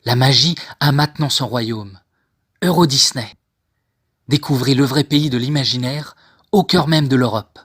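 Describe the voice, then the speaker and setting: A man, a voice actor, delivering scripted narration in a theatrical, measured manner. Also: mid-range voice, fairly bright tone, breathy edge. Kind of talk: scripted dramatic narration for a demo reel.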